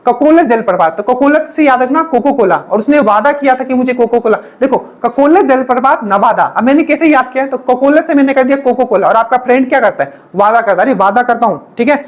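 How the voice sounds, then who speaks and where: A woman's voice: high voice, animated, brisk, hardly any pauses. A woman teaching an exam-prep lesson, repeating each memory trick and checking in with the class again and again. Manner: repetitive drilling, frequent checking-in asides.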